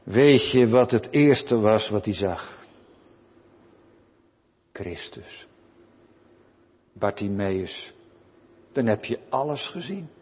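Man, preacher, sermon, earnest direct questions, very slow, lo-fi church recording with long reverb. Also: slightly rough. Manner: earnest, rising to loud pleading then dropping low; addresses listeners with direct questions.

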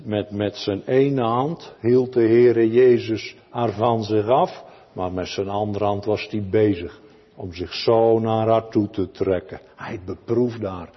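A man preaching a sermon to his congregation in a church, pleading and swelling then dropping low. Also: slightly rough, long reverb tail, dull audio. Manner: pleading, swells and drops dramatically. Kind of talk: Reformed sermon.

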